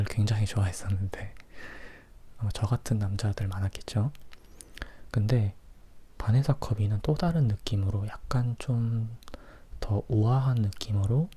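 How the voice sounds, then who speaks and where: A man whispers a casual ASMR film review in a breathy, hushed voice, as if leaning in close to the listener. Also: fairly low pitch. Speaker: host of a film review series.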